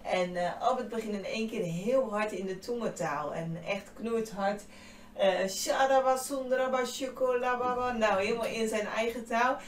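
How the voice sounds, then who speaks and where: A woman's voice: mid-range voice, moderate pace, few pauses. A woman co-hosting a faith podcast, telling a personal story in a heartfelt, hesitant way full of fillers. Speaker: podcast co-host. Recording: roomy echo, distant from mic, faint noise.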